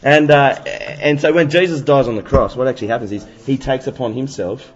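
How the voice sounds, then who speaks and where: A man's voice: mid-range voice, a little fast. A man hosting a playful chat, explaining his faith to a band in a joking, preachy way. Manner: jokey, preachy. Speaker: host. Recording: dull lo-fi audio.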